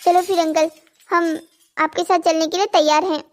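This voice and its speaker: A woman's voice: very high voice, little pitch movement, normal speed, a little hiss or hum. A woman voicing a naive, dutiful young boy in a cartoon story, polite and earnest. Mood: hesitant, eager. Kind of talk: scripted cartoon story dialogue.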